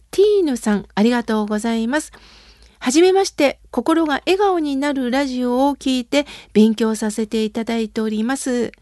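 A woman hosting a radio show, reading listener mail aloud and answering it in a soft, polite, thoughtful manner. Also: fairly high pitch, no room sound, clean studio sound. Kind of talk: gentle radio talk reading letters.

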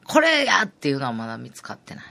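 A woman's voice: very deep voice, wildly swooping pitch, fast talker, vocal fry, bright, forceful tone. A woman with a Kansai accent co-hosting a podcast in casual chat, playful and teasing. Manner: playful, teasing, laughs often. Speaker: podcast co-host.

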